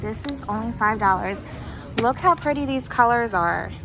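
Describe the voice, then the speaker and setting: With music playing around her in a discount retail store, a young American woman vlogs her shopping trip, enthusiastically fawning over what she finds. She speaks at a moderate pace in a higher voice with lively intonation. The background is noisy, and she holds the phone or camera herself.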